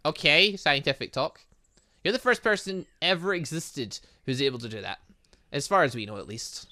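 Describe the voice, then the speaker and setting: A man's voice: on the high side, expressive, normal speed, bright, forceful tone, no echo, studio quality. A man reading game dialogue aloud in a let's play, adding his own commentary and often stumbling over words and correcting himself. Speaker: gaming YouTuber reading a visual novel aloud.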